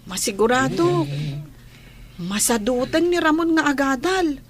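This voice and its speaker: A woman's voice: high voice, lively intonation, unhurried, crowd noise. A woman playing a sympathetic teenage schoolgirl and loyal classmate in an audio drama, earnest and youthful. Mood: concerned. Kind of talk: Ilocano radio-style drama acting.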